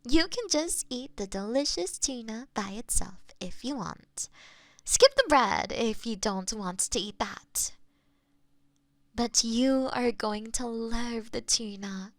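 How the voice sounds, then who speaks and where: A woman's voice: on the high side, expressive, takes it slowly, a bit bright, no room sound, clean studio sound, heavily acted. A woman playing a doting, playful cat owner in an intimate roleplay, cooing affectionately at her pet. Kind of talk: roleplay audio, intimate one-sided scene. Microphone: close binaural microphone.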